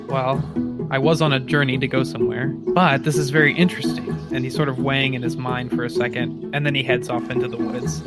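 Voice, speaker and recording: A man playing a tabletop roleplaying game, casually improvising descriptions of his character and thinking aloud in a halting way. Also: mid-range voice. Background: music.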